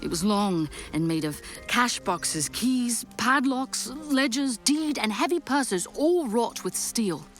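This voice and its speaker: Lady narrating a radio play, animated storytelling, deliberate dramatic phrasing, music underneath. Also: fairly high pitch.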